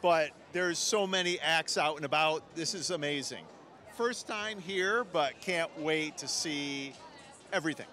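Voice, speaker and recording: A man's voice: fairly high pitch, unhurried, pushed and bright, faint music behind. A man from the United States visiting a festival, talking enthusiastically in short, clipped phrases. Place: outdoors on a city street.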